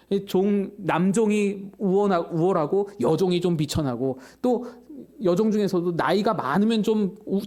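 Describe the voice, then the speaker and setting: A woman's voice: medium pitch, a little mellow. A woman pastor preaching a Sunday sermon, telling a story with animation and asking the congregation questions.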